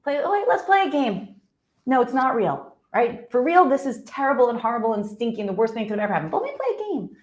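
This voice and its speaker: A woman guest on a podcast giving practical coaching advice in an expressive, playful way. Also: on the high side, fast talker, slight background noise. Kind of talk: casual podcast conversation.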